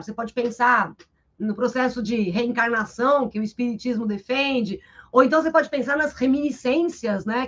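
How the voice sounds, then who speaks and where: A Brazilian woman teacher with a fairly high voice talks through a book in a live interview, animated and explanatory, often tagging her sentences with a questioning "né?". The sound is dull and lo-fi, like a webcam on a live stream. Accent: Brazilian Portuguese. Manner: lively and explanatory, tags sentences with "né?". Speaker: literature teacher.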